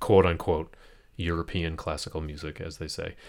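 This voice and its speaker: An American accent, a monotone, flat delivery, and a very clean recording with a silent background. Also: man. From US, Massachusetts (Boston area). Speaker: podcast host and storyteller. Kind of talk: casual interview chat.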